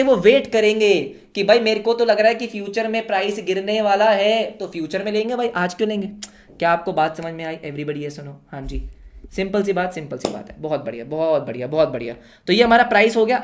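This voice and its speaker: Energetic male teacher quizzing his class. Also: sits high. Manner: energetic, fires rhetorical yes-or-no questions at students; mixes English terms into everyday speech. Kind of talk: online class lecture.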